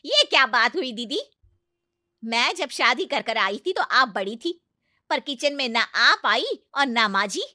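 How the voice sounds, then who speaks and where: Woman doing a shrill, scolding aunt-in-law. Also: very animated, a little slow, no room sound, clean studio sound, heavily acted. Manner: shrill, sharp-tongued, taunting.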